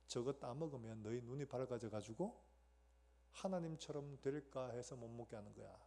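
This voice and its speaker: A man voicing a sly male devil coaxing a woman into temptation, in a Gyeongsang accent and a husky tone. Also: medium pitch, normal speed, warm tone, voice pushed down.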